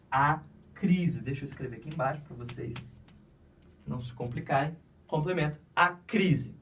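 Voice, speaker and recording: A man's voice: on the high side, recorded from a distance. A man with a Brazilian Portuguese accent teaching an English grammar lesson, patiently repeating each step and checking that students follow.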